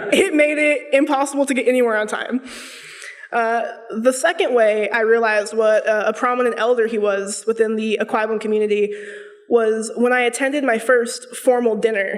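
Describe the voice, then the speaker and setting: Fairly quick talk with an American accent amid noticeable background noise. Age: 20s. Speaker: storyteller. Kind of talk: storytelling performance.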